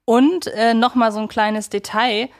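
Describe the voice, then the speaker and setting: A woman's voice: fairly high pitch, fairly even intonation, measured pace. A woman co-hosting a casual fan podcast, chatty and thinking aloud as she rephrases her points. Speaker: podcast co-host.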